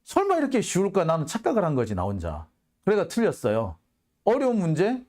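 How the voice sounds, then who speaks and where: A man's voice: high-pitched, wildly swooping pitch, fairly quick, a little mellow. A man hosting a political commentary monologue, heated and sarcastic, firing off rhetorical questions.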